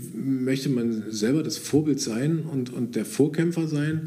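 A man speaks at a fairly high pitch with a slight Saxon accent and ordinary pitch variation. His pace is fairly slow, and background noise is noticeable. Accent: barely noticeable Saxon. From Saxony, Germany (near Bautzen). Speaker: IT company CEO. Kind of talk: interview.

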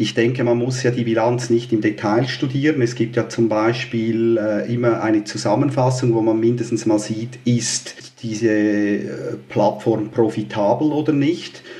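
Over noticeable background noise, a man talks at a fairly slow pace and medium pitch. His loudness stays very even and his intonation fairly even. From Switzerland. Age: 50s. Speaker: entrepreneur and P2P investor. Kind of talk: casual chat.

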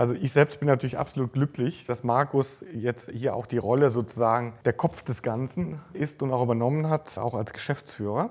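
This is a normal speaking voice with ordinary pitch variation, delivered at a moderate pace. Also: man. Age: 50s. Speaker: managing director of a leasing company. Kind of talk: business interview.

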